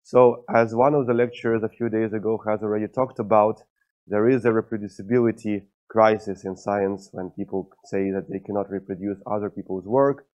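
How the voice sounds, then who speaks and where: A low-voiced man gives a prepared lecture in a hall. He delivers it steadily, with dry little jokes along the way. The recording is dull and lo-fi. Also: steady tone, brisk, darkish tone. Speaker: guest lecturer.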